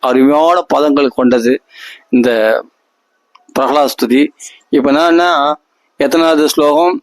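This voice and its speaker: A man's voice: a little high, no room sound. Fervent man giving a devotional discourse. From India. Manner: chants verses slowly, then pleads with rising fervor. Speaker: religious storyteller.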